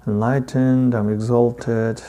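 A man with a heavy Tibetan accent giving an informal Buddhist teaching in halting, deliberate phrases. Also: medium pitch, flat delivery, dark tone. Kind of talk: informal dharma talk.

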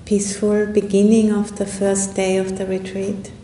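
A woman giving a guided meditation talk as a meditation teacher, speaking in an unhurried, reflective way with long pauses. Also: completely flat delivery, warm tone. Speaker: Buddhist nun and meditation teacher. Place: indoor room at a retreat center. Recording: roomy echo, faint rumbling background noise.

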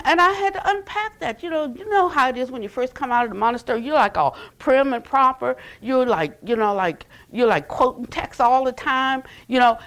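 High-voiced older woman giving a dharma talk. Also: low-quality recording. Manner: animated storytelling with frequent restarts and "you know". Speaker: Buddhist teacher. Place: retreat center meditation hall.

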